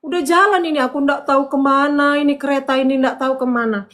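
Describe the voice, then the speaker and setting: A woman tells her own story on a podcast, in a high, lively voice. She acts out the dialogue of the people she quotes, in an animated, casual manner. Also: fast, a little hiss or hum. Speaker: guest giving a testimony. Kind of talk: casual spoken testimony.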